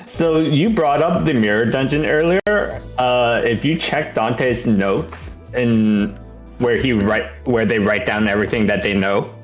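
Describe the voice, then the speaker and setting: A man's voice: medium pitch, slow pace. A man co-streaming a game, casually explaining its lore and joking along, with faint game music behind. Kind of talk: casual livestream chat over a game.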